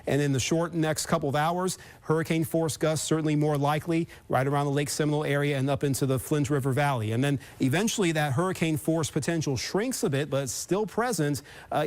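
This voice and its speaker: Wordy, higher-pitched man giving a forecast. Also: a little mellow. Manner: wordy, halting, circling phrasing. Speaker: TV weather forecaster. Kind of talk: live forecast commentary.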